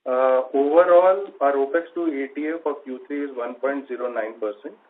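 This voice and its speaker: A man's voice: mid-range voice, normal speed. A man with an Indian accent, speaking as a finance chief and reading through a prepared financial report. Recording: noisy phone-like conference line.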